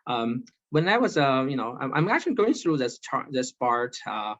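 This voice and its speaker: A man hosting an online talk, moderating with many halting fillers and restarts over a video call. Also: medium pitch, sing-song, a bit bright. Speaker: webinar host and moderator. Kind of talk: hesitant online panel moderation. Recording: slightly dull lo-fi video call audio.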